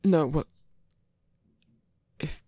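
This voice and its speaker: A man voicing a wounded villain who is softening and flustered, murmuring haltingly in an intimate, formally worded ASMR roleplay. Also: no echo. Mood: flustered, fond. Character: wounded male villain, flustered, softening, tender toward rescuer.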